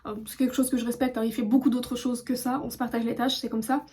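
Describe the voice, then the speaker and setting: A woman's voice: on the high side, level tone, quick pace, mellow. A woman from France chatting casually to her phone camera in a hotel room, rambling with many fillers and restarts. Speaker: vlogger. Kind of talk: casual vlog chat to camera.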